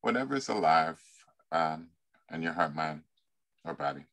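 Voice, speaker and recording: A man's voice: rumbling low, expressive, a little slow, vocal fry, fairly bright tone. An older man hosting a story session on a video call from home, frank and casual, with the odd curse word. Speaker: storyteller and host. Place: home room.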